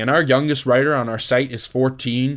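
Here a man with an unremarkable speaking voice talks at a moderate pace and medium pitch, keeping his intonation fairly even. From Canada, with early childhood in England and Belgium. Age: young. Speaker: podcaster. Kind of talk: casual chat.

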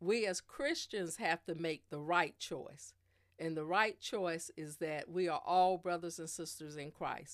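A woman with a Southern US accent speaks at a fairly slow pace and a fairly low pitch, with ordinary pitch variation. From North Carolina (Spring Lake, near Fayetteville). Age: 60s. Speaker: pastor. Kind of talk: casual interview.

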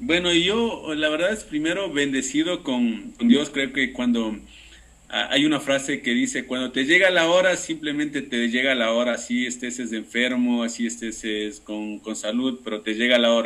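This is a normal speaking voice with ordinary pitch variation. It moves at a moderate pace. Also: man, medium pitch for a man. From Ecuador, rural countryside. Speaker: police mountain rescuer and mountaineering instructor. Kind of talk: interview.

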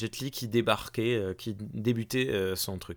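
On a very clean recording with a silent background, a man talks fairly slowly with ordinary pitch variation. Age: 20s. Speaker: podcast host, film reviewer. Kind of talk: solo casual review podcast. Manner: halting, many fillers and repetitions.

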